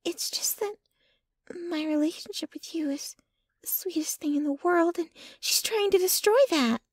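A woman's voice: very high voice, normal speed, no echo. A woman playing a jealous, possessive, dominant yet clingy young girlfriend in an intimate, whispery ASMR roleplay, close to the microphone. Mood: apologetic, pleading. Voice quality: breathy, whispery. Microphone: close microphone, dry.

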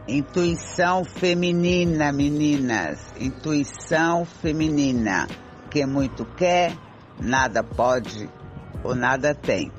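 A man's voice: a little high, lively intonation, takes it slowly. An older Brazilian man playing a self-assured friend rallying the group in an amateur radio soap. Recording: muffled voice clip with faint music.

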